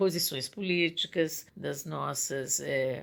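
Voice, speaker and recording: A woman with a very deep, low voice and vocal fry speaks at a very slow pace with fairly even intonation, on a very clean recording with a silent background. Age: 70s. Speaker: feminist activist. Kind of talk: testimony.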